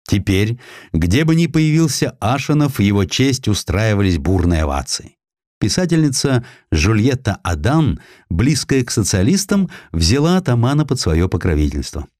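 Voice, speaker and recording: A male audiobook narrator with a fairly deep voice tells historical prose. His delivery is expressive and highly varied in melody, shaped like dramatic storytelling. The sound is dry, with almost no room around it. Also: moderate pace, no room sound.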